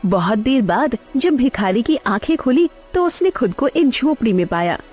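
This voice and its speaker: A woman narrating a cartoon story in an expressive, dramatic way. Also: fairly high pitch, normal speed, slightly rough, faint music behind.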